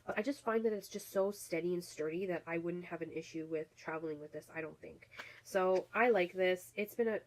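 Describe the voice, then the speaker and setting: A chatty woman reviewing her favorite makeup, talking in a fairly low voice. She gushes, restarts her sentences and fills the gaps with ums. She is still getting over a cold. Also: a little fast, rough recording. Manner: chatty, many fillers and restarts, gushing. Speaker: beauty vlogger. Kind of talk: casual product review.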